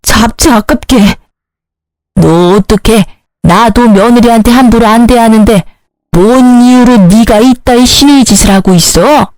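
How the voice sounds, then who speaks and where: A woman's voice: a little high, unhurried, darkish tone, dry recording, natural voice. A woman voicing an angry middle-aged mother-in-law who scolds bluntly in a spoken story. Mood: exasperated.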